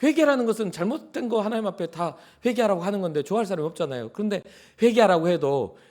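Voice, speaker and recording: A middle-aged man preaching a sermon as a church pastor, in a conversational way, acting out quotes and sometimes dropping to a soft whisper. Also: high voice, expressive, fast talker. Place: church sanctuary.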